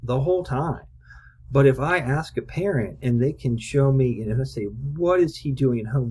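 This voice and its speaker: A somewhat breathy man with an American accent, medium pitch, lively intonation and a moderate pace. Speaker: speech-language pathologist and lecturer. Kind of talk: lecture. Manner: stutters at times.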